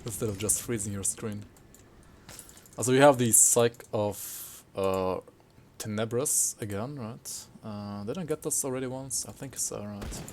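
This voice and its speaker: A man with a lowish, slightly mellow voice talks at a measured pace over a faint hiss or hum. Partly raised in Sweden, he streams games with loose, rambling commentary, ends thoughts with tag questions, and chats with viewers as he plays.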